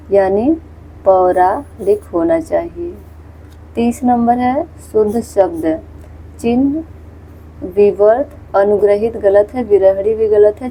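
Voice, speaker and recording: A woman's voice: mid-range voice, dark tone, breathy edge, rough recording. A woman teaching a Hindi exam-prep lesson, patiently going through questions, repeating words and pointing viewers to the screen. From India.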